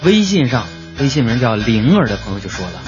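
A man's voice: mid-range voice, sing-song, a little fast, muffled recording, over music. A male radio comedy host, chatting and reading out listener messages, laughing at his own jokes and acting out the voices.

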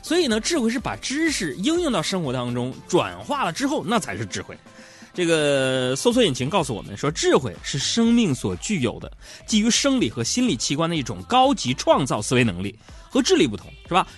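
A man's voice: a little high, huge pitch swings, fairly quick, slightly rough, soft background music. A middle-aged man, hosting a talk show and telling funny stories about his married life in a chatty, teasing way. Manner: joking, teasing, chatty storyteller. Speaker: radio-style program host. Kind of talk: humorous storytelling talk show.

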